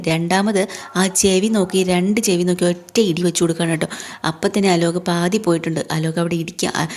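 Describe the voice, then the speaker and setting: A woman's voice: fairly low pitch, a little mellow, slight background noise. A woman casually retelling a TV serial episode, chatty, adding little tag words as she goes. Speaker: serial story narrator.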